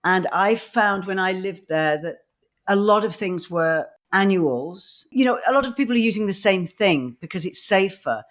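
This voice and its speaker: A woman's voice: medium pitch, animated, normal speed. A woman hosting a podcast interview, chatty and rambling as she asks questions. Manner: chatty, rambling, laughs easily. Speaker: podcast host.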